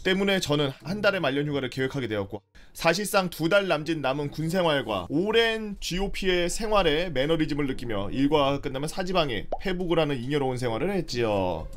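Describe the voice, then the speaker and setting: A man's voice: a little high, animated, brisk, fairly bright tone, slight background noise. A man in his thirties, a streamer telling stories casually, swearing and acting out scenes with sound effects. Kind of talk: casual storytelling and reading viewer stories.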